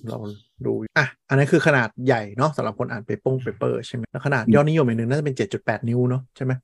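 A man's voice: mid-range voice, steady tone, very fast, vocal fry, husky, no room sound, studio quality. A man co-hosting a tech podcast, chatting casually and bluntly with slangy banter. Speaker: podcast co-host.

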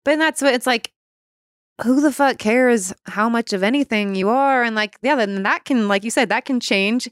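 A woman's voice: a little high, moderate pace, dry recording, clean studio sound. A woman hosting a podcast interview, chatting reflectively and laughing often. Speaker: podcast host. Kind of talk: casual interview conversation.

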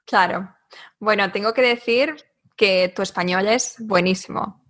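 A woman's voice: medium pitch, unhurried, a bit bright. A woman hosting a podcast interview, effusive and full of compliments for her guest. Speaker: host.

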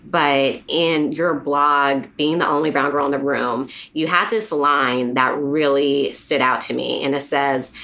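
A woman's voice: a bass voice, steady tone, a little slow, hardly any pauses, bright, forceful tone. A woman hosting a podcast interview, speaking with enthusiasm as she introduces her guest's writing. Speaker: podcast host. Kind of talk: casual interview chat.

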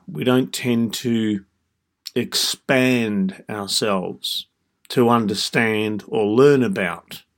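An Australian man in his fifties speaks in a lowish voice at a very unhurried pace. He delivers a reflective podcast monologue, measured and deliberate, setting down his thoughts a few words at a time. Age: 50s. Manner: measured, deliberate, broken into short phrases. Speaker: podcast host.

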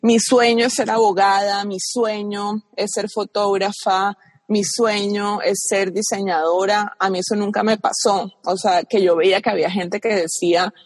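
A woman's voice: medium pitch, level tone, normal speed, no echo, in a large hall. A woman from Colombia with a Caribbean coast accent, a guest in a casual interview, talking reflectively with many fillers and restarts.

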